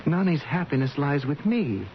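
A man's voice: fairly high pitch, animated, moderate pace, close to an everyday voice. An actor playing an earnest, defiant man in a forbidden love, impassioned, in a radio drama. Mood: pleading, impassioned. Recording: muffled radio broadcast with faint hiss.

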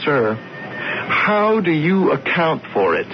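A man's voice: on the high side, big pitch swings, slow, highs cut off, exaggerated voice. An actor playing an earnest, obsessive American businessman in a radio drama, emphatic and prone to stammer. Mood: intense, persuasive. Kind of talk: 1970s radio drama acting. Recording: band-limited, noisy old radio broadcast.

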